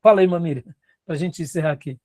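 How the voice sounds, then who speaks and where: Animated Brazilian pastor teaching seminarians. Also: male voice, fairly high pitch, fast talker, dry recording, studio quality. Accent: Brazilian Portuguese. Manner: animated, laughs often, acts out quoted voices. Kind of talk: classroom teaching with anecdotes.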